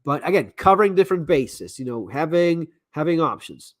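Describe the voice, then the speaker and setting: High-voiced man, halting repeats. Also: sing-song, dry recording, studio quality. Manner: frequent stammered repeats and restarts; candid, advice-giving. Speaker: live stream host answering viewer messages. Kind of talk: casual live-stream chat.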